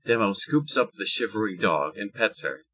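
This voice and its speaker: A man narrating a scripted audio drama in a husky voice. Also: on the low side, animated, moderate pace, bright, forceful tone.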